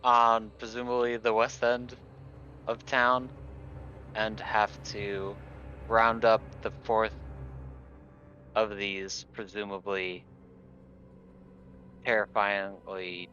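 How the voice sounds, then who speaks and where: A man chats wryly and playfully as a player in a tabletop game. His voice is lowish and slow, recorded a little dully with soft music underneath. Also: flat delivery, highs cut off, slight background noise. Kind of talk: casual game table chat.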